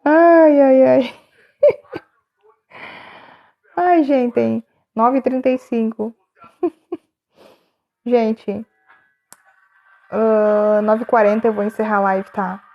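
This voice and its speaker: A woman's voice: on the high side, very slow, gravelly, pauses often, lo-fi sound. A woman chatting casually on a live stream, laughing often and reading viewers' names from the chat.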